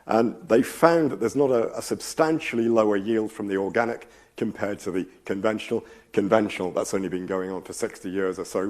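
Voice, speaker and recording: A man's voice: on the low side, dark tone. Man lecturing with a slight cold. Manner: thoughtful, rambling, frequent ums and asides. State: slight cold, losing his voice. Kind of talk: public science lecture. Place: lecture hall.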